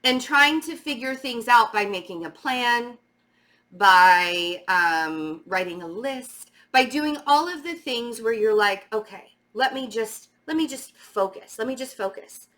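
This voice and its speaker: Bright, high-voiced woman giving a tarot reading. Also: animated, unhurried. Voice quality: stammering. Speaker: tarot reader. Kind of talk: casual spiritual tarot reading to viewers.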